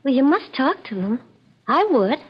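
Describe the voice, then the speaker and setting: Weary, high-voiced young drifter, vintage radio. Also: female voice, very animated, moderate pace, breathy edge, exaggerated voice. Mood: sleepy, wistful. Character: weary, lonely, trusting young female drifter. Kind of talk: old-time radio drama acting. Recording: muffled vintage radio recording.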